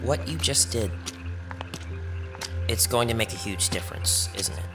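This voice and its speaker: A man acts as an affectionate, easily embarrassed schoolboy in an audio fiction drama. He talks slowly and casually in a questioning way, at a middling male pitch. Music plays behind him. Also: natural voice. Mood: curious.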